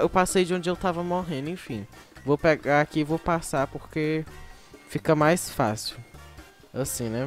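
Chatty Brazilian gamer, faint music behind. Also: mid-range voice. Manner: chatty, talks to viewers, frequent exclamations and sudden shrieks. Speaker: YouTube gamer. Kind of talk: casual gameplay commentary.

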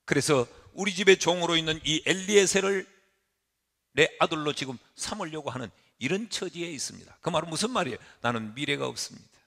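A middle-aged male pastor preaching a dramatic sermon into a pulpit microphone, acting out the voices of God and Abraham and swinging between soft lines and loud ones. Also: fairly high pitch, animated, a little fast, gravelly. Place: church sanctuary with long reverb. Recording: reverberant church hall.

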